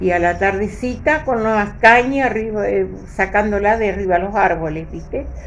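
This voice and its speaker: Noticeable background noise and audible room echo fill the recording. A woman speaks at a fairly slow pace. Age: 80s+. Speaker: local elder recalling the past. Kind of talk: interview testimony.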